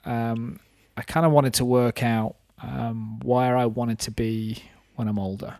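Guy about 30 talking casually on a podcast, kinda thinking out loud, mid pitch, really dry sound. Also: fairly even intonation, measured pace, creaky, no echo. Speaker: podcast host and business owner.

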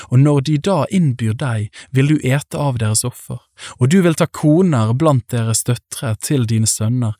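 A man doing a scripted Bible reading in a measured, even manner, slowing on solemn phrases. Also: medium pitch, dry recording, clean studio sound. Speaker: Bible reader.

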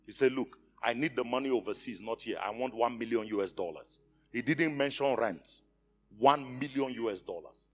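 A man's voice: medium pitch, husky. A middle-aged Nigerian man preaching a storytelling sermon, acting out dialogue and calling on the congregation to respond. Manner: animated, acts out dialogue, calls on the congregation. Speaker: pastor.

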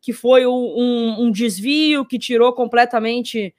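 A woman's voice: a little high, slow, no room sound, studio quality. A woman, commenting on sports in an emphatic, opinionated way and repeating her points for force.

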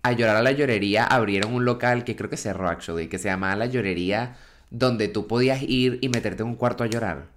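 A man with a Venezuelan accent co-hosting a podcast, telling stories in an expressive, casual way and swearing freely. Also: fairly low pitch, fast talker, a little hiss or hum. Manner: expressive storyteller, swears casually, dramatic mock-pleading. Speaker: podcast co-host. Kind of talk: casual chat.

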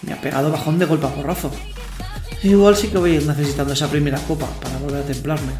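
A man's voice: a little high, steady tone, fast talker, close to an everyday voice. An actor playing a cocky, lustful young man in a werewolf costume, narrating his night in slangy, self-mocking audio fiction. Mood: deflated, self-mocking. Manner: slangy, boastful, talks to himself. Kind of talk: first-person audio fiction narration with dialogue. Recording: roomy echo, faint music behind.

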